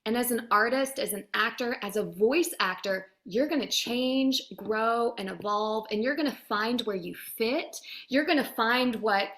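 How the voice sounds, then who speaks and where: A woman with a somewhat high voice talks as a guest in an interview. She explains conversationally and makes her points emphatically, building them in short repeated phrases. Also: a little slow, few pauses, fairly bright tone, slight background noise. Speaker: voice actor and demo producer, interview guest.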